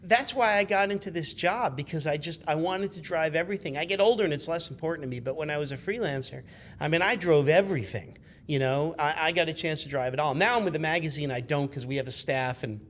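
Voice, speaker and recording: A man in his fifties chatting casually as a guest, telling animated, rambling, sweary anecdotes as a car journalist. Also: a little high, quick pace, slight background noise. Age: 50s.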